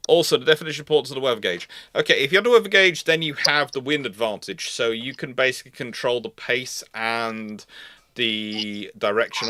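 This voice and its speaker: A man's voice: mid-range voice, sharp tone, no room sound. A man hosting a live question-and-answer on naval history, explaining in a rambling way and often restarting his phrases. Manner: rambling, repeats and restarts phrases mid-sentence. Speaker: host of a live Q&A show.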